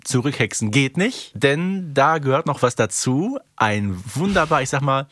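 A man's voice: medium pitch, lively intonation, moderate pace, a bit bright, dry recording, clean studio sound. A man co-hosting a podcast in casual chat, wry and playfully ironic. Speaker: podcast co-host. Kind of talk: casual chat recapping an audio drama.

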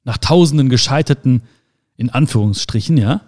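A man's voice: medium pitch, normal speed, a little mellow. A man giving a motivational talk in an emphatic way, repeating his key phrases. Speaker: motivational speaker.

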